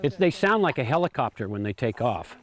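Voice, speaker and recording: A man in his eighties giving a relaxed, rambling tour of his homestead, often repeating words while he thinks, on a lapel mic with faint background noise. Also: medium pitch, fairly quick. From United States. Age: 80s. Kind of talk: casual tour talk. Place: outdoor garden and home pantry.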